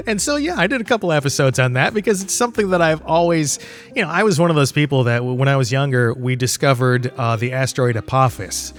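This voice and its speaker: A middle-aged man hosting a podcast in a casual, rambling monologue, with an informal, animated way of talking. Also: a little high. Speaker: podcast host.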